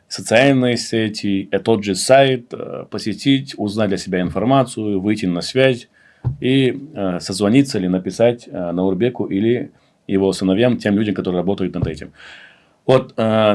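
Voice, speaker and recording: A man hosting a conversational interview, putting his questions in a halting, circling way. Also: on the low side, darkish tone. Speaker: interviewer, video host.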